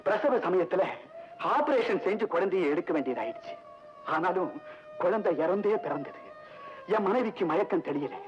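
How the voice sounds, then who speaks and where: A middle-aged actor playing a husband in an old film drama, speaking in an earnest, pleading way. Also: male voice, high voice, animated, moderate pace, long pauses, muffled recording. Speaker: grieving husband. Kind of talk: 1970s film drama acting. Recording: old film soundtrack with music.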